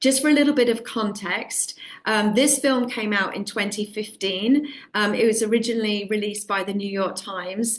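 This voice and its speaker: A woman with a British accent speaks at a moderate pace in a fairly high voice with ordinary pitch variation over noticeable background noise. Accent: very British. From Britain. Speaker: event host and filmmaker. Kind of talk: virtual event introduction. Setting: video call. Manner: filler-heavy, with um and uh.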